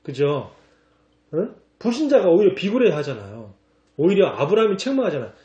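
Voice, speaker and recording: Male pastor, lively sermon, acts out scenes, church hall echo, muffled sound. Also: sits high, fairly quick. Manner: animated, acts out scripture in slang, laughs.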